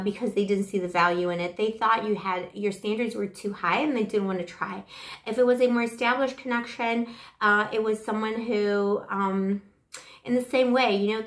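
A woman with a flu-hoarse voice giving a playful, rambling tarot reading to camera on a lapel mic. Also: mid-range voice, reverberant. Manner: gushing, playful, rambling with fillers. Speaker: tarot reader. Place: small bedroom with kitchenette. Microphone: clip-on lapel mic.

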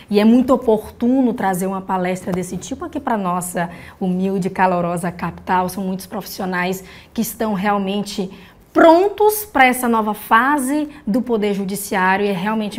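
A woman in her thirties with a mid-pitched voice, presenting in a polished, welcoming way. She speaks as a morning TV host in a studio, on a clear lapel mic. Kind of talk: morning TV interview hosting. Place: TV news studio.

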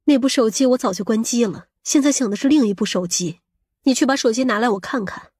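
In an audiobook drama, a woman voices a protective, scheming middle-aged mother, speaking fast and emphatically with a scolding, exclamatory edge. Her voice is on the high side, husky and a little mellow, recorded dry with no room sound.

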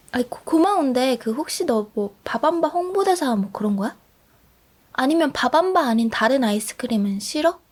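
A cheerful, outspoken schoolgirl, played by a young woman, teases and fires off questions in a whispered role-play. Her voice sits high and comes out soft and breathy. It is recorded close to the microphone. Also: heavily acted. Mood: teasing. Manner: teasing, talkative, rapid questions. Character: bold chatty cheerful teenage schoolgirl, bottom of class.

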